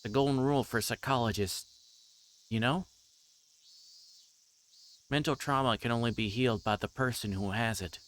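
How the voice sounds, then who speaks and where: A man livestreaming a visual novel, reading story text aloud and adding halting, informal asides. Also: mid-range voice. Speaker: streamer playing a visual novel. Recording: clear background noise, insect-like ambience.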